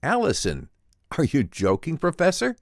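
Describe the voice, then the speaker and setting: A man voicing an eager, incredulous adventurer in a dramatic story reading, excitable and disbelieving yet formal in his speech. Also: fairly high pitch, moderate pace, no echo, clean studio sound, voice pushed up. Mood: astonished. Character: eager, incredulous male adventurer, the professor's loyal friend.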